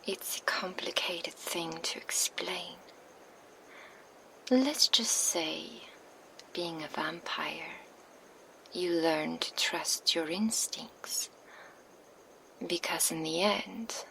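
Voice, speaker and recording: A woman's voice: fairly low pitch, very slow, gravelly, long pauses, pushed and bright, a little hiss or hum, exaggerated voice, low-quality recording. A woman voicing a seductive, possessive female vampire in an ASMR roleplay, whispering close to a binaural microphone. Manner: intimate, purring whisper close to the ear.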